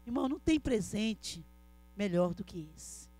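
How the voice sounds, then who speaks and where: A woman's voice: mid-range voice, animated, unhurried, warm tone, soft background music. A middle-aged woman telling her story in an emotional church testimony, earnestly addressing her listeners as brothers. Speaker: church speaker giving a testimony.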